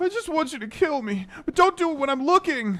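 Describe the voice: A whiny, high-pitched put-on character voice at a fairly quick pace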